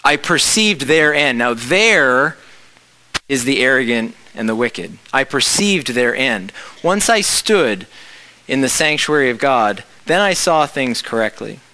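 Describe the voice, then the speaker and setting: A man's voice: mid-range voice, very animated, a little slow, sharp tone, rough recording. A man preaching a reflective sermon, explaining scripture with rhetorical questions.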